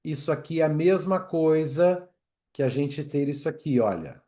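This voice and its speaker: A man's voice: on the high side, a little mellow. A man leads a pronunciation lesson with a voice that leaps up and down as he drills each word again and again. He takes his time, stretching out his words in a playful, patient way. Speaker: English teacher.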